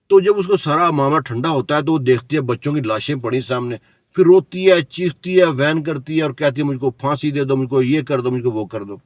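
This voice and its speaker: A man's voice: on the high side, darkish tone, no echo. A man telling a cautionary story in a preachy, lecturing way, asking the listener rhetorical questions. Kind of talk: moralizing storytelling.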